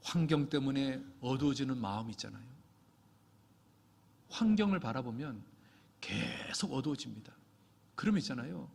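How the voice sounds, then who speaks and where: A man preaching a Sunday sermon, swinging from quiet reading to loud, impassioned exhortation. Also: medium pitch, expressive, moderate pace, creaky, long pauses, slightly rough. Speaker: pastor. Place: church sanctuary. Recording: long church reverb.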